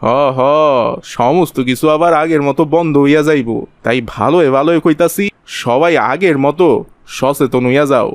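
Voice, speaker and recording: Man acting a conniving cartoon conman, wheedling, rural Bangladeshi accent, raised pitch, dry close recording. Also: moderate pace, no room sound, close to an everyday voice. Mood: urgent. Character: scheming male village conman spreading virus rumours for profit.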